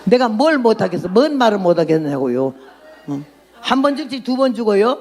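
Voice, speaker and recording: A woman's voice: medium pitch, sing-song, normal speed, darkish tone, slight background noise. A woman in her nineties, a missionary preacher, giving a blunt, outspoken sermon and testimony. She often laughs at her own remarks and throws questions at the congregation. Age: 90s.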